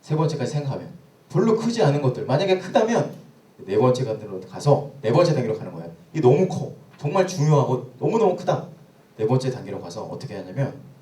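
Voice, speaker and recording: Lively-voiced pastor preaching in a roomy hall. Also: male voice, lowish voice, distant mic. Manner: conversational preaching with rhetorical questions. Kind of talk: sermon. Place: church sanctuary.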